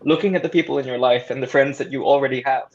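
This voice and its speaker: A man's voice: medium pitch, fairly even intonation, fast talker, muffled recording. A man talking casually as a panelist, hesitant and thoughtful as he searches for words. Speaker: panelist, audio drama creator.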